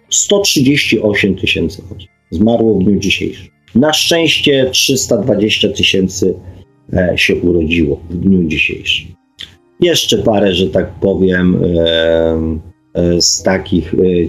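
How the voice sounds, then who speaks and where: A man's voice: low-pitched, rough recording. A man hosting a radio monologue, hesitantly reading out figures and repeating them for emphasis. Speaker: radio show host.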